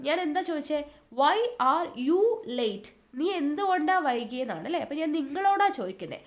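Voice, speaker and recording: A woman teaching an exam-prep grammar lesson, asking questions and answering them herself, repeating each term slowly. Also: sits high.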